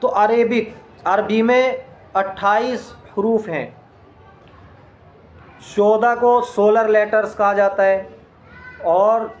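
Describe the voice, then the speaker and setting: A man's voice: high voice, steady tone, slow, pauses often. A man teaching an Arabic grammar lesson in speech, explaining step by step and quizzing his listeners with questions.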